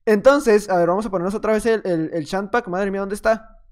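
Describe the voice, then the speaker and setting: A man narrates his own gaming session in a loose, chatty way. He jokes around, trails off now and then and taunts his rivals. His tone stays relaxed and unscripted. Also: sits high, a little fast, clean tone. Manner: playful, rambling, teasing opponents. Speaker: gaming video creator. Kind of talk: casual gameplay commentary.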